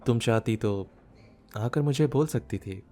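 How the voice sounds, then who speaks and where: A man acting a shy, bookish man in his thirties in an intimate ASMR romance roleplay, speaking softly as if musing, with some background noise. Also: medium pitch, lightly acted. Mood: gentle. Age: 30s. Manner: soft, unhurried, intimate, musing. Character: shy, bookish, self-doubting thirty-year-old man, tender romantic lead. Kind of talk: ASMR boyfriend roleplay audio drama.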